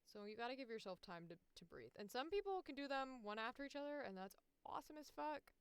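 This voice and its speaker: A woman's voice: sits high, very animated, fast talker, clear, resonant tone, dry recording. A woman voice actor chatting casually on a livestream, informal and sweary, thinking aloud as she works. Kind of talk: casual livestream chat while editing audio.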